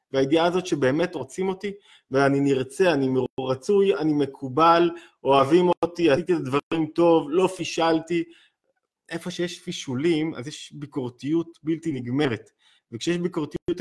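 A middle-aged man, giving an animated spoken lesson on Hasidic thought that rises and falls as he teaches. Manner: animated, rising and falling in pitch and loudness.

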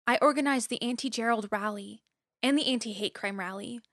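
Give this one a high, bright female voice in a dry audio drama recording. She is a fiercely principled campus activist, emphatic and rhetorical, with indignation never far away. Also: a little fast, dry recording. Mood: guilty, apologetic.

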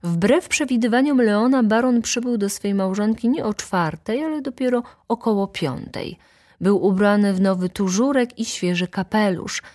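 A woman narrating a classic novel as an audiobook in a steady, even storytelling manner. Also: medium pitch, normal speed.

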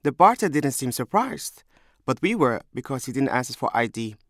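A young man from Somalia reads a scripted first-person memoir in a measured, reflective way. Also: medium pitch, sing-song, no room sound, clean studio sound. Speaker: storyteller.

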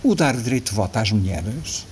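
Expressive and a little fast, this lowish-voiced interview guest in his sixties speaks with a European Portuguese accent. Reflective in a casual conversation, he frequently starts sentences over and lets out soft laughs. There's a little hiss or hum in the audio.

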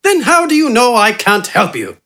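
A narrator voicing an eccentric, pompous male doctor who is manic and jovial and speaks in a grand, excitable way. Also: mid-range voice, moderate pace, voice pushed up. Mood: scheming. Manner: pompous, excitable, keeps saying "old boy".

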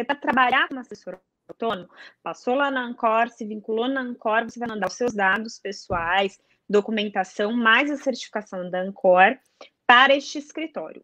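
In a relaxed conversation, this woman walks through how investment advisor certification works one step at a time, tossing in "tá?" and answering her own questions. She has a fairly high, slightly bright voice, recorded dry.

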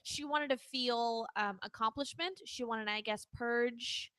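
A chatty woman co-host with a voice pitched a little high, talking movies in a loose, casual way. She teases her friend and swears offhandedly. The sound is dry and close, with no room echo. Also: a little slow, bright, forceful tone, smooth. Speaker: podcast co-host.

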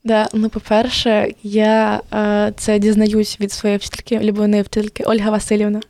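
A teenage girl from Ukraine appears as a podcast guest, chatting casually and telling lively stories full of fillers. Her voice is medium-pitched and moves at a normal speed.

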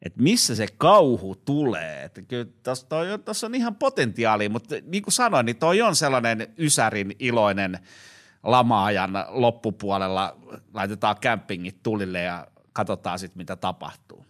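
A man with a somewhat low voice chatting on a podcast. He is animated and laughs easily, telling his stories with enthusiasm. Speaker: podcast co-host, parent. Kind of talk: casual chat.

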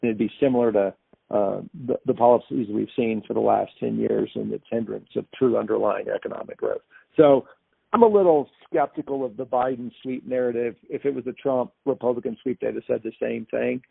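Male market commentator, husky with heavy fry, opinionated, on a dry, thin phone-like line. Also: medium pitch, a little fast, no echo. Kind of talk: unscripted financial commentary.

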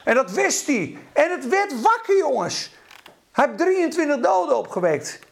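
Impassioned gravelly man preaching. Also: very high-pitched, very animated, moderate pace. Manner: impassioned, acts out quotes, sudden shouts. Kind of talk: charismatic sermon.

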